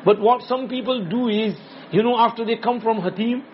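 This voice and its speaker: High-pitched South Asian man teaching religion. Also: fairly even intonation, moderate pace. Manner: repetitive, instructive, with frequent check-in questions. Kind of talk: informal religious lesson with question and answer. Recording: dull lo-fi sound with background noise.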